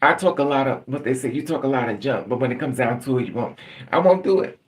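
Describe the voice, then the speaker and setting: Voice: medium pitch, expressive, quick pace. A middle-aged livestream host chatting casually and candidly with viewers, laughing often and calling on them by name.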